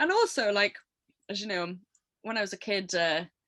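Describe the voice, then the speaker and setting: In a very clean recording with a silent background, a woman with a Geordie accent speaks at a moderate pace. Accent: Geordie (Newcastle). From northern England, Newcastle. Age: 30s. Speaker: musician. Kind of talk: casual chat.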